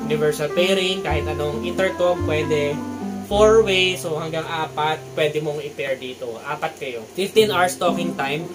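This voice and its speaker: A man's voice: fairly high pitch, a little slow, low-quality recording. A Filipino man talking casually and chattily as a vlogger doing an unboxing review, mixing in English terms. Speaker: motorcycle vlogger and product reviewer. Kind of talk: casual unboxing vlog talk. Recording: music playing behind the voice. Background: prominent guitar music.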